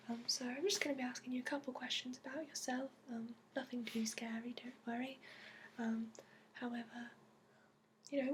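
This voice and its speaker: A woman voicing a gentle, seasoned dragon keeper in a soft, whispery, hesitant ASMR roleplay with a put-on accent. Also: high voice, slight background noise, natural voice. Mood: gentle, reassuring. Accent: put-on, phony. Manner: hesitant, gentle, reassuring, full of ums. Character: gentle, seasoned female dragon-keeper interviewing a new recruit. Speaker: dragon companion interviewer and guide.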